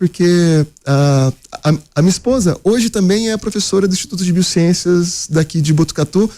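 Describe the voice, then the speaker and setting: Speaking at a fairly slow pace with a Minas Gerais accent, a man with a high voice and a dark, mellow tone keeps his loudness very even and his pitch variation ordinary. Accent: mineiro. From Minas Gerais, Brazil (Uberlândia, Triângulo Mineiro). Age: 40s. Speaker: university professor, biologist. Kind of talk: radio interview. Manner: hesitant, many fillers and repetitions.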